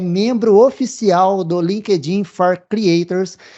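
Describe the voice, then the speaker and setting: Sounding enthusiastic, a man with a Brazilian accent speaks at a high pitch with ordinary pitch variation. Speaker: podcast host. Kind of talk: interview conversation.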